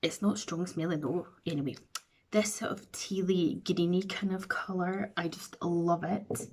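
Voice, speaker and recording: Indoors in her bedroom, a Scottish woman in her thirties who vlogs about beauty chats to camera in a rambling, self-deprecating way, nose running. Her voice is on the low side, unhurried and a little mellow, with fairly even intonation.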